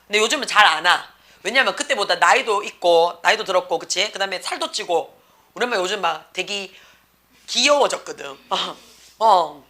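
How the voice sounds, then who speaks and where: Lively, bright-voiced Gyeongsang teacher woman. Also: medium pitch. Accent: Gyeongsang Korean. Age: 40s. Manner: chatty, teasing, asks the class constant check questions. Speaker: English academy teacher. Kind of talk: classroom lecture.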